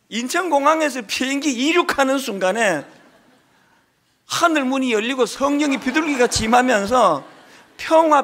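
A middle-aged man preaching a sermon as pastor, telling a story and moving between quiet asides and loud emotional peaks. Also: very high voice.

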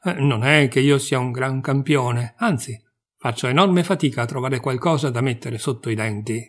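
A man's voice: mid-range voice, moderate pace, close to an everyday voice. A man reads as a sweet, bashful little field mouse from a storybook fable. He mumbles modestly, as if he would rather not be noticed.

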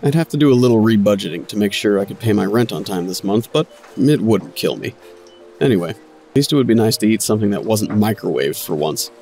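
An actor with a lowish, expressive, slightly mellow voice speaks a little fast over soft background music. He plays a wry, weary working man narrating his own story in a dry, self-deprecating way, scripted first-person narration for a noir audio drama.

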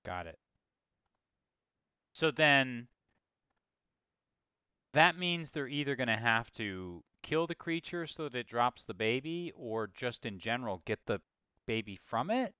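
A man's voice: medium pitch, lively intonation, unhurried, pushed and bright, smooth, dry recording, lo-fi sound. A man hosting a casual brainstorming chat, asking lots of questions enthusiastically and correcting himself as he goes. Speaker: host.

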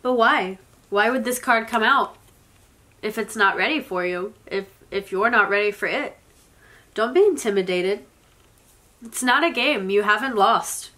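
Sniffly young woman giving a soft tarot reading. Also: medium pitch. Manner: soft, slow and reflective, with occasional small laughs. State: sniffly with a cold. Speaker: tarot reader. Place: indoors, in front of a floral blanket.

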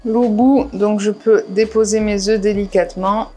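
A woman's voice: mid-range voice, steady tone, moderate pace, dark tone, soft background music. Chatty woman guiding a home recipe. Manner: step-by-step, practical, chatty asides. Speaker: cooking vlogger. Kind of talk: casual cooking voice-over. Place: home kitchen.

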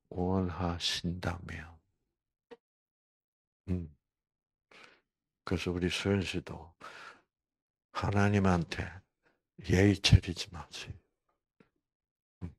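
Slow, deliberate man giving a Bible lecture. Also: lowish voice. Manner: slow and deliberate, poses rhetorical questions; addresses listeners by name. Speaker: Bible lecturer at a health program.

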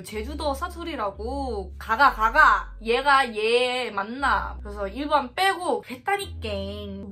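A young native Thai speaker from Thailand, with a Thai accent and a high-sitting voice, chats through a quiz vlog in a small indoor room. She exclaims loudly whenever she gets an answer right or wrong.

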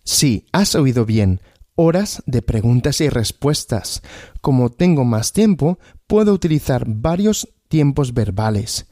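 Male language-podcast host, slow question-and-answer teaching, animated pitch, dry studio sound. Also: no echo. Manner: asks questions and answers them himself, repeating.

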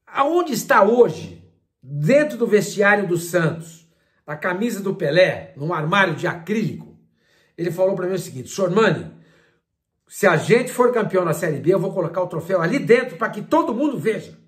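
An older man, commenting on football in a casual, animated way and retelling his conversations. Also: high voice, normal speed. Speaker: sports journalist and commentator. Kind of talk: casual talk-to-camera commentary.

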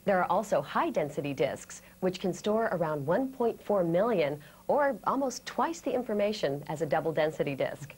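American woman, 30s, instructional video presenter, lower register, slightly husky, methodical delivery. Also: animated, moderate pace, hardly any pauses, darkish tone. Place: indoor studio set.

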